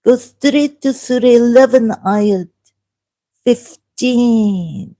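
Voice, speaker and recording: A woman's voice: a little high, slow, dark tone. A woman giving a solo commentary, reading verses aloud and thinking aloud as she argues. She breaks off mid-phrase and asks her listeners questions.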